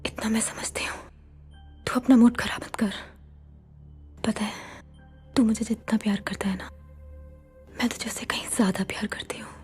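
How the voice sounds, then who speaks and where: An actress voicing a young woman in love, speaking softly and tenderly in a dubbed film. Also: fairly high pitch, steady tone, brisk, faint music behind, close to an everyday voice.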